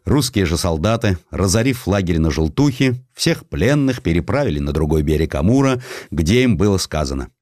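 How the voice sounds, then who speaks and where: Deep-voiced man narrating history expressively. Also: sing-song, moderate pace, a little mellow, dry recording, studio quality. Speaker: audiobook narrator. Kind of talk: dramatic scripted narration of historical sketches.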